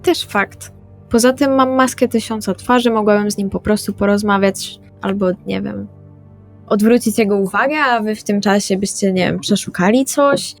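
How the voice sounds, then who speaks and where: A woman's voice: mid-range voice, normal speed. A woman playing in a tabletop role-playing session, speaking casually and partly in character. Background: background music.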